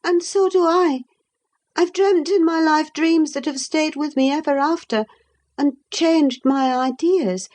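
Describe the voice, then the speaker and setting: A woman's voice: high voice, measured pace, a little mellow, pitched above the performer's own voice. A woman reading a passionate, moody young woman in an audiobook, speaking in an impassioned, emphatic way. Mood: intense. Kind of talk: audiobook character voice.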